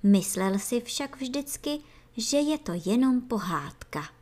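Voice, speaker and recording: A woman reading a children's storybook aloud with expressive narration. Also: fairly high pitch.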